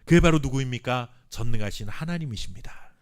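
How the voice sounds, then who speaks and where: A Korean pastor preaching a sermon with earnest emphasis and dramatic pauses, sometimes reading scripture slowly. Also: male voice, mid-range voice, lively intonation, clean tone. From South Korea. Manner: reads scripture aloud slowly with the congregation.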